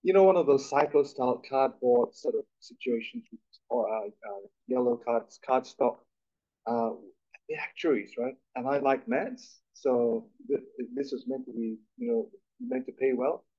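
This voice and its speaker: A man's voice: medium pitch, very animated, unhurried, gravelly, dark tone. A middle-aged man from Malaysia, a guest speaker, telling his story in a chatty, self-deprecating way with many restarts. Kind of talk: conversational interview on stage. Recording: dull lo-fi recording.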